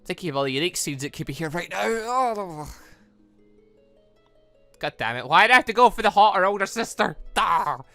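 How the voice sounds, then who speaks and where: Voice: mid-range voice, animated, brisk, pauses often, pushed and bright, faint music behind. A gaming channel host giving chatty let's play commentary on a visual novel, full of exclamations and reactions. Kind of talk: let's play commentary with voiced dialogue reading.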